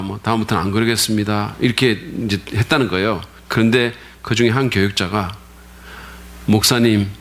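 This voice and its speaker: Lively male pastor preaching. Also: fairly high pitch. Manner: lively, conversational, asks the congregation questions. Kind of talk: sermon.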